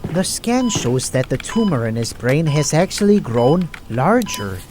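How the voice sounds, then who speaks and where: A woman's voice: low voice, big pitch swings, a little slow, background noise. A woman playing a sober medical doctor in an amateur audio drama. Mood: concerned.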